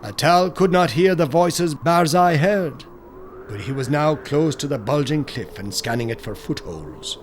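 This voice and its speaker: Higher-voiced man narrating a horror tale. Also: lively intonation, a little slow, a little hiss or hum. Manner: solemn, theatrical storytelling. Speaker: audiobook narrator, horror author. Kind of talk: scripted dramatic horror story narration.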